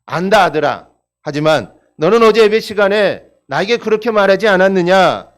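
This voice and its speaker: A male pastor voicing the Lord in a sermon story, calm, firm and fatherly. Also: high-pitched, normal speed, voice pushed up. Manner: calm, commanding, fatherly address.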